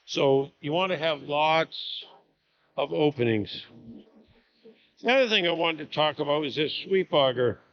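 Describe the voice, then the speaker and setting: A farmer talking quietly and unhurriedly on camera while walking through a large, empty metal grain bin, his voice echoing off the walls. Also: fairly high pitch, expressive, a little slow, pauses often, muffled recording. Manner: talks quietly and unhurriedly, with fillers. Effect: echoey voice inside a large metal grain bin. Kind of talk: casual video walkthrough.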